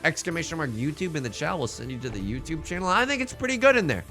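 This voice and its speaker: A young man streaming from home, tired but still quick with a joke, his voice bright and lively as it jumps around his range. He swears freely and banters with chat. Faint game music plays underneath. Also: a little high. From born in China, raised in the United States. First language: Mandarin Chinese. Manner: quick, joking and profane, talking to chat. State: exhausted. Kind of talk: casual livestream commentary while playing a game.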